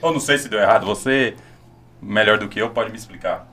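A man hosting a casual interview, asking questions in a relaxed, informal way. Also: lowish voice, fairly quick. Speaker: host.

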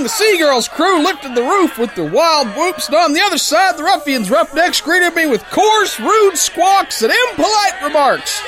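An actor playing a brash, good-hearted young sailor boxer who spins his yarn in folksy tough-guy slang for a radio comedy. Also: very high-pitched. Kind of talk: old-time radio comedy, first-person yarn spinning.

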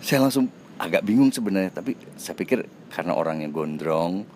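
A man with a low voice speaks briskly over a slight hiss or hum. He's an actor telling an anecdote casually in an interview, relaxed and chatty, with fillers and self-laughs, and he acts out the other people's lines in changing voices.

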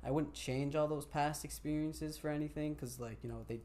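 Young new guy chatting, rambly, says like a ton, voice jumps up when he gets hyped. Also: moderate pace. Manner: rambling, heavy use of "like"; voice jumps higher when excited. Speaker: interview guest. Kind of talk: casual conversation.

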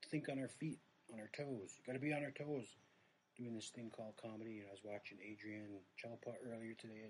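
A man's voice: medium pitch, a little hiss or hum, low-quality recording. A middle-aged man with a Native American reservation accent, chatting casually on a livestream in a rambling, self-deprecating way that trails off. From Red Lake reservation, United States. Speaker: comedian, live-stream host.

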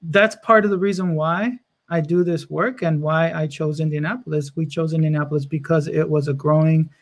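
A man's voice: fairly high pitch, steady tone, moderate pace. A man from Mexico, an educator, speaking as a guest in a casual interview, assured and pointed.

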